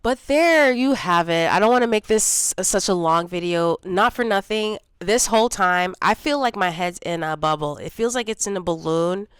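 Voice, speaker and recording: A woman in her forties talking candidly in a reflective personal vlog, congested from a cold and low on energy. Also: moderate pace, hardly any pauses. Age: 40s. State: congested, dry cough. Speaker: vlogger.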